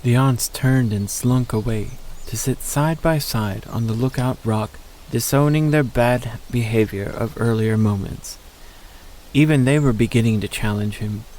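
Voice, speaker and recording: A man's voice: medium pitch, a little slow, darkish tone, slight background noise, low-quality recording. A man narrating a scripted story in an audio drama.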